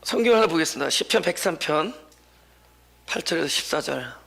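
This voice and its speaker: A male pastor preaching a sermon, acting out the questions and replies he quotes and building to emphatic shouted refrains before dropping back low. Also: lively intonation, brisk, creaky, a little hiss or hum. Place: church sanctuary.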